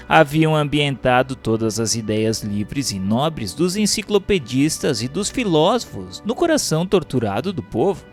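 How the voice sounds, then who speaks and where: A man with a Brazilian accent reading scripted narration in a formal, solemn, declamatory manner. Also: medium pitch. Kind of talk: scripted audiobook-style narration of a historical religious text. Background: music.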